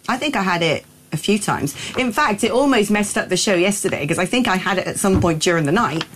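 A woman's voice: mid-range voice, lively intonation, a little fast, breathy edge. Wry English woman hosting radio. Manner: chatty, wry, reads listener messages aloud. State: unwell, says she has a virus. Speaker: radio talk show host. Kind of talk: casual radio chat.

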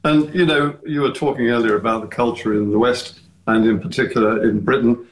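A man who is a guest on a radio discussion, speaking in a measured, deliberate and firm way. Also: mid-range voice, fairly even intonation, slight background noise. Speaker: studio guest. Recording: roomy echo.

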